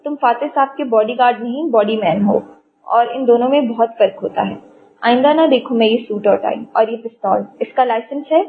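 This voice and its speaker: Brief: haughty scolding wife, read by a woman, high voice, tinny audio. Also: close to an everyday voice. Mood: irritated. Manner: curt, scolding. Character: haughty, irritable wealthy wife. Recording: tinny phone-like audio, faint hiss.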